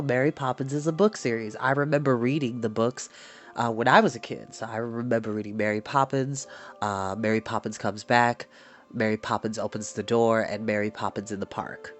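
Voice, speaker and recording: A man with a mid-pitched voice hosts a storytime show in a chatty, personal style. His delivery is theatrical and exuberant. Ambient music plays behind him. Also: a bit bright. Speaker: storytime host reading books aloud. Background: background ambience music.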